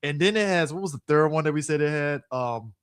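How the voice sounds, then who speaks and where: A man co-hosting a podcast in relaxed, chatty casual conversation. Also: on the high side, brisk, smooth, dry recording, clean studio sound. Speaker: podcast co-host. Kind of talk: casual chat.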